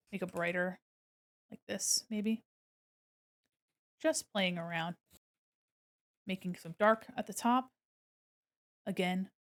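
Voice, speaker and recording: A woman streams casually while she draws, talking through each step at a medium pitch. She is gentle and encouraging, explaining things simply like an art teacher chatting with viewers. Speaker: art streamer and critique host. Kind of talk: casual livestream commentary while drawing, reading chat aloud.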